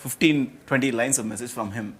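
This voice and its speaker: A man's voice: mid-range voice, rapid-fire. A man actor speaking earnestly and modestly in a casual interview. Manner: earnest and soft-spoken. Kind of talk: casual chat.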